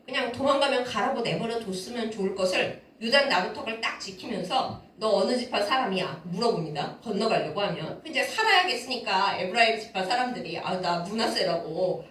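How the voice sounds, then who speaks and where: A woman pastor preaching a sermon, telling the story in a lively way with asides to the congregation. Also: fairly high pitch. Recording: roomy church hall, mic far off.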